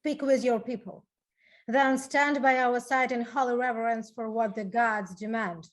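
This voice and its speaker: A woman's voice: fairly high pitch, fairly even intonation, a little slow, close to an everyday voice. A woman playing a beseeching, indignant suppliant in a formal, earnest reading of Greek tragedy. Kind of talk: live dramatic reading of ancient Greek tragedy. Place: online video call.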